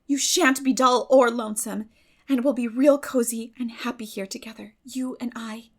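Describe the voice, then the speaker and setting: Woman playing an eager, high-voiced teenage girl. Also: steady tone, normal speed. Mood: eager, cheerful. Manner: eager, effusive, dreamy, emphatic. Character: bright, determined, idealistic sixteen-year-old girl. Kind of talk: dramatic audiobook reading of a classic novel.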